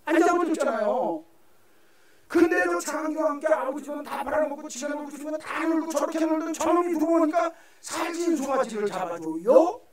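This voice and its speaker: A man's voice: very high-pitched, lively intonation, fairly quick, pitched above the performer's own voice. A man playing a resentful grown elder son who complains indignantly about his grievances. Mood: bitter complaining. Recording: echoey hall from far off.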